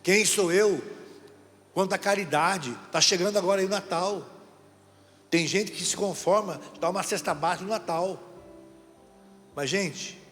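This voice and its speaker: A man's voice: high-pitched, normal speed, long pauses, fairly bright tone. A middle-aged man with a Brazilian Portuguese accent, a deacon giving a sermon in a conversational storytelling way that speaks straight to the listeners. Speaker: deacon preacher. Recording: reverberant hall with faint music.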